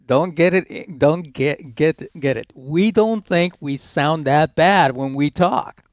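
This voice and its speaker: A man's voice: a little high, slow pace, no room sound. A man from Puerto Rico with a Puerto Rican accent, hosting a casual studio chat in a playful, teasing way.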